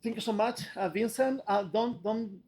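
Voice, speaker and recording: Husky-voiced man introducing a speaker. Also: high-pitched, a little mellow, low-quality recording. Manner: halting, peppered with "you know" and restarts. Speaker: event host introducing speaker. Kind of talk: informal spoken introduction. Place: university lecture room.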